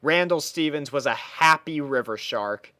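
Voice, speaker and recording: Slow, animated male story narrator. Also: on the high side, no echo. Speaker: narrator reading fan fiction.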